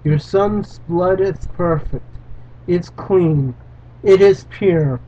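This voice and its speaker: A man reading the lines of an old gray-haired male doctor, urgent and pleading, in a halting read-aloud way. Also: sits high, warm tone, a little hiss or hum. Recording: dull lo-fi recording.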